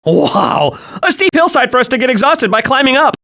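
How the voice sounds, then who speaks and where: A hyperactive young male cartoon squirrel for a video game. His voice sits very high and swings wildly up and down. He is childlike, naive and scatterbrained, always eager and cheerful. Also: big pitch swings, moderate pace, pushed and bright, full character voice. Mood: earnest, scatterbrained. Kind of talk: animated video game voice acting.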